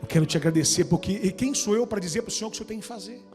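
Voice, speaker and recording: A man preaching a sermon as pastor, moving between quiet storytelling and shouted, fervent exhortation in a church. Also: high-pitched, rapid-fire. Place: church hall. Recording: long church reverb, music behind.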